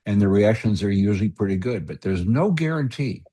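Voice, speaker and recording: A man with a deep voice speaking at a public meeting, measured and hesitant as he starts. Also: animated, mellow, husky. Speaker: commission member.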